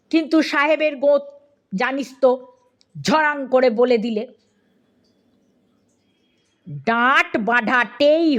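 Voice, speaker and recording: Woman narrator for a funny audiobook story; high, unhurried, playful delivery. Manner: lively, comic, addressing listener.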